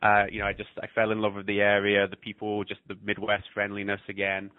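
A man's voice: fairly low pitch, completely flat delivery, fast talker, smooth, dry recording. A man with an English accent, a head soccer coach chatting in a radio interview, full of fillers and restarts. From England. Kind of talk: phone interview. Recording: tinny phone line.

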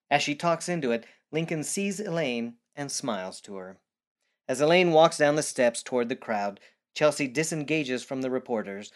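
A narrator reading scripted scene descriptions for an audio drama in a measured, matter-of-fact way. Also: mid-range voice.

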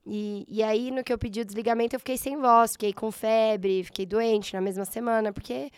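A slightly hoarse woman in her thirties with a Brazilian accent, telling her story in a casual interview and acting out her past thoughts. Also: fairly high pitch, fairly even intonation, brisk, dry recording, clean studio sound. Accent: Brazilian Portuguese. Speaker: guest, entrepreneur.

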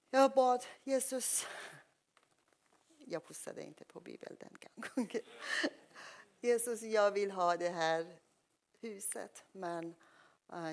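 Middle-aged woman, emotional testimony in simple swedish, mid-pitched voice. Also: gravelly. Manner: earnest, emotional storytelling in simple learner Swedish. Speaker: testimony speaker. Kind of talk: personal testimony.

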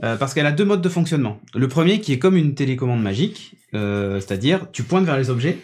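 A man's voice: medium pitch, expressive, quick pace, darkish tone. A man hosting a casual tech podcast, chatty and enthusiastic as he demonstrates a gadget, with plenty of hesitations. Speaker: podcast host presenting a gadget. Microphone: podcast studio microphone on a mixing desk.

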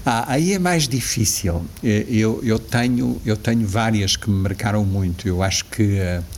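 A man's voice: fairly low pitch, measured pace. A man in his sixties with a European Portuguese accent, talking reflectively as an interview guest, often restarting his sentences. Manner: reflective, frequent restarts and soft laughs. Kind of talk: casual interview conversation.

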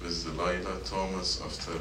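A man's voice: deep voice, flat delivery, moderate pace. A man teaching a sermon to middle schoolers, repeating his points and asking the students questions. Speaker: church youth teacher. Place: church meeting room. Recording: echoey room, mic at a distance, faint noise.

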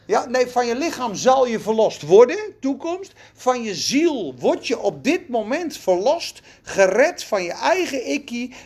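A preacher delivering a sermon in an animated, emphatic way, with folksy turns of phrase. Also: medium pitch, vocal fry.

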